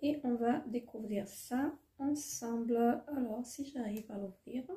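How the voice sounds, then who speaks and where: Woman, beauty vlogger, highish voice, mellow, hesitant, fillers. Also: unhurried, echoey room. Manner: hesitant, many fillers, gushing. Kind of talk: casual makeup haul chat.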